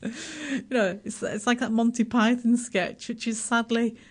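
A middle-aged woman from Yorkshire with a Yorkshire accent, chatting as a radio guest, self-deprecating and laughing often, with halting restarts. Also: a little high, slightly rough. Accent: Yorkshire English. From Yorkshire, England. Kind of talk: casual radio interview.

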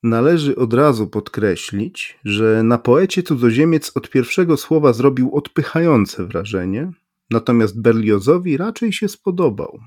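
A man's voice: mid-range voice, animated, unhurried, a little mellow, dry recording, clean studio sound. Man narrating an audiobook steadily. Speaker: audiobook reader. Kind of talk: scripted narration.

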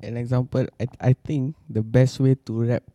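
Singaporean man with a very mellow, dark voice. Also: mid-range voice, level tone, normal speed, highs cut off. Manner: colloquial Singlish with sentence-final particles. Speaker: podcast panellist. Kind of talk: casual podcast discussion.

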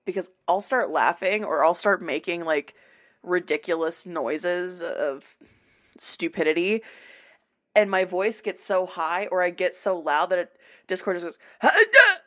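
Slow-talking, giggly woman host. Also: lowish voice, animated, bright, forceful tone. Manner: giggly, rambling storyteller. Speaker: podcast host. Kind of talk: casual chat.

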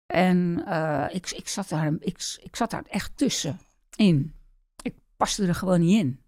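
A middle-aged woman from the Netherlands telling her life story in an interview, speaking hesitantly with many pauses. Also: on the low side, a little mellow, no echo, studio quality. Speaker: interview guest.

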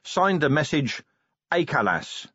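A man narrator voices a nervous, deferential police constable in a fantasy audiobook. The voice is raised in pitch and slightly husky, hesitant but respectful. The sound is a little dull. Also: very animated, a little slow, fairly bright tone, no room sound, exaggerated voice. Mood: nervous, reporting. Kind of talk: audiobook character voice.

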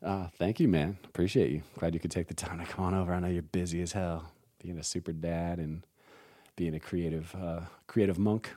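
A man of about forty hosts a relaxed podcast conversation in a very deep, low voice. He talks loosely and casually, laughing often and dropping "man" into his sentences. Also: brisk, no room sound, studio quality. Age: around 40. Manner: laid-back, laughs often, says "man" a lot. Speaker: podcast host. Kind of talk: casual chat.

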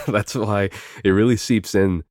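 Young guy from new york, super deep voice, chill and rambly, lots of ums, dry close sound. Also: takes it slowly, dry recording. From New York, USA. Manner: easygoing, rambling, frequent fillers and swearing. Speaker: voice actor interviewee. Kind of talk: casual interview answers.

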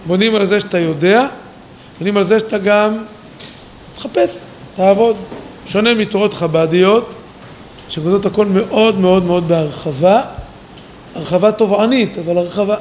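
A man, a rabbi, giving a weekly Torah lesson at a yeshiva, animated and speaking straight to his listeners. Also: sits high, pauses often, a little hiss or hum. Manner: animated, acts out quoted voices, talks to listeners directly. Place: study hall at a yeshiva.

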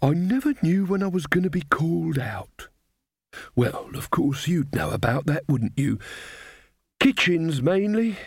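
A man's voice: on the high side, animated, measured pace, vocal fry, slightly rough, no room sound, studio quality, voice pushed up, heavily acted. A man voicing a mild, cheerful old fairy godmother woman who chats and rambles. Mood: mild, chatty.

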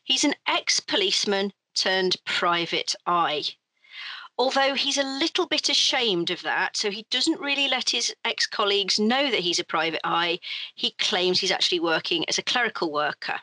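A woman playing a tabletop role-playing game, chatting briskly about her character and speaking as him. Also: medium pitch, expressive, sharp tone, no room sound, low-quality recording. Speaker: player.

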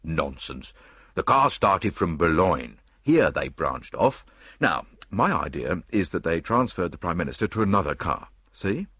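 A man's voice: sits low, sing-song, unhurried, pushed and bright, breathy edge, dry recording, studio quality, heavily acted. A man voicing a brash, blunt Scotland Yard inspector. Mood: dismissive.

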